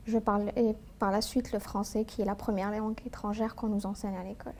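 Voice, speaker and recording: Woman, 30s, soft dark timbre, thoughtful interview guest. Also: medium pitch, flat delivery, a little fast, slight background noise. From Algeria. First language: Algerian Arabic. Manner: earnest, thoughtful, with frequent hesitations. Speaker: guest, tax lawyer. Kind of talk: personal interview, recounting her life.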